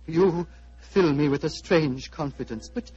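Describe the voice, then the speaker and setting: A man playing an elderly, gentle abbot who speaks solemnly and paternally, in 1940s radio drama style heard on an old broadcast recording. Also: fairly high pitch, measured pace, slightly rough, no echo. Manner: solemn, paternal, calling others "my son". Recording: dull lo-fi vintage radio broadcast.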